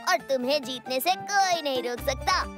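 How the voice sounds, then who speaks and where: Confident 8-year-old cartoon boy, played by a woman, very high voice. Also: moderate pace, over music, lightly acted. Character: clever, kind, cheerful 8-year-old boy. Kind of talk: Hindi cartoon voice acting.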